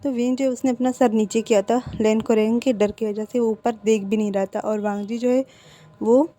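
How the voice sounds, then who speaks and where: A woman's voice: on the high side, warm tone. A woman narrating a fan story in a casual, filler-heavy way. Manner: plain retelling with many fillers.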